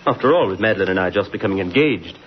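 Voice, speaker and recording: An actor playing a polite, diffident young upper-class fiancé in an old-time radio drama, hesitant and genteel. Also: male voice, sits low, lively intonation, rapid-fire, loud music behind the voice. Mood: awkward, evasive. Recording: dull vintage radio recording.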